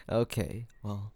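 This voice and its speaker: A man playing a smitten, courteous mafia boss in an intimate romantic audio roleplay, speaking haltingly with bashful hesitations. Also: fairly low pitch, a little mellow, slightly rough, no echo, heavily acted.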